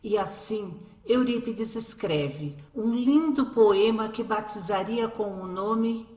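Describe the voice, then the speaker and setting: A woman's voice: medium pitch, slow pace, a little mellow. A woman narrating a scripted radio drama as storyteller. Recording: roomy echo, music bed. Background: music.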